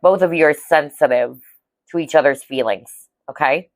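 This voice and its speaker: A woman with a deep voice gives viewers a casual tarot reading at normal speed in a dry recording. She's chatty and reassuring, frequently checking in with "okay?"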